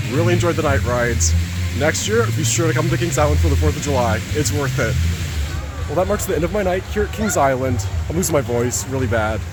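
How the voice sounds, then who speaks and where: A man in a casual vlog, touring an outdoor amusement park and giving short, upbeat remarks to a handheld camera. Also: a little high. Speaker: theme park vlogger.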